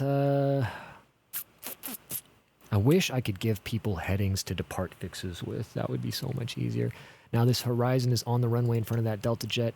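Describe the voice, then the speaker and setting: A man's voice: mid-range voice, darkish tone. A man streaming an air traffic control simulator, thinking aloud casually in running commentary full of radio-style jargon. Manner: casual, thinking aloud, swearing now and then. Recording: clear background noise, keyboard clicking and typing. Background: keyboard typing and clicks.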